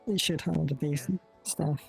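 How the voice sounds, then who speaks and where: A man roleplaying in an online virtual world, talking in a blunt, grumbling, rough-spoken way. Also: fairly high pitch, fairly even intonation, moderate pace, faint music behind. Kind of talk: casual in-character roleplay chat.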